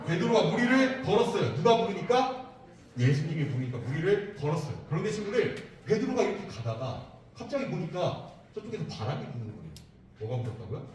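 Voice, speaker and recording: A man preaching to young children, asking them questions and repeating their answers. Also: high voice. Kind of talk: children's sermon with call-and-response questions. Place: church worship room. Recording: echoey room, mic at a distance.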